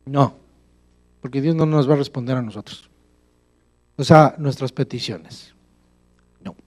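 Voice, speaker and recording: A man's voice: mid-range voice, a little slow. A male pastor preaching a sermon, emphatic and full of rhetorical questions to the congregation.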